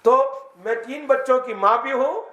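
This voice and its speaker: An Islamic teacher with a very high-pitched voice gives a lively lesson in a mosque, telling the story in the first person as though he lived it. He keeps pausing to quiz his listeners, and the dull audio echoes around the mosque hall.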